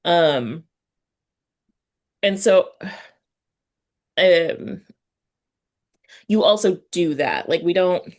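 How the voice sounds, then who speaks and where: A woman's voice: fairly low pitch, lively intonation, very slow, pauses often. A woman interviewer chatting casually and informally as she puts questions to her guest. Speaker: interviewer, host.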